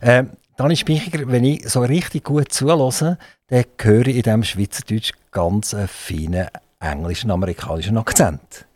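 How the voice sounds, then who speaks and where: A male interviewer speaks Swiss German in a conversational hosting style. He hesitates and hunts for words. His pitch is average and the sound is dry, with very little room. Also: moderate pace, a little mellow, dry recording. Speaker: radio interviewer.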